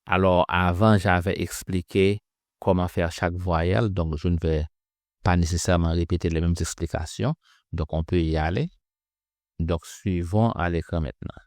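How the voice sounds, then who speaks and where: A man teaching pronunciation in a slow instructional lesson, drilling sounds by repeating syllables. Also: sits low, fairly even intonation, a little mellow, no echo, studio quality.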